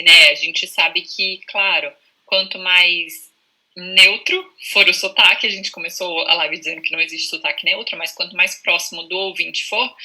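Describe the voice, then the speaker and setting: Bright, husky-voiced Brazilian woman explaining. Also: on the low side, rough recording. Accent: Brazilian Portuguese. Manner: calm, explanatory, frequent "né?" tags. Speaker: speech therapist guest. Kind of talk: conversational explanation in a live video chat. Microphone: video call.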